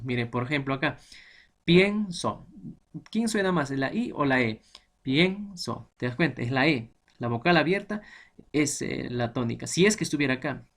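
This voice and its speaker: A man teaching a grammar lesson to students, explaining patiently and often checking that they follow. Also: mid-range voice.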